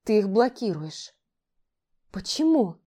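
A young heroine from a fantasy novel, as the woman narrating puts her on, pleading in a raised, emotional voice that climbs higher than her storytelling tone. The timbre stays mellow and soft-edged even as she presses. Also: slow. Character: young heroine, frightened and indignant. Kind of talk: audiobook character voicing.

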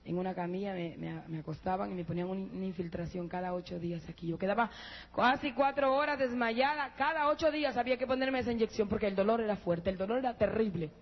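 Husky woman giving an impassioned church testimony. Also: fast talker, hardly any pauses. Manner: emotional, addresses listeners as brothers, rises to high excited peaks. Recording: muffled lo-fi church recording.

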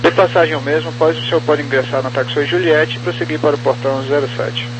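Male ground controller, fairly high voice, itemised procedural phraseology, crackly radio with clear hum. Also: steady tone, quick pace. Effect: crackly muffled radio. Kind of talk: radio taxi instructions in aviation phraseology.

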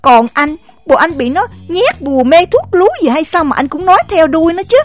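An actress with a Southern Vietnamese accent playing a jealous, furious village wife, scolding in a shrill, rapid-fire voice in an audio drama. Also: female voice, expressive, soft background music.

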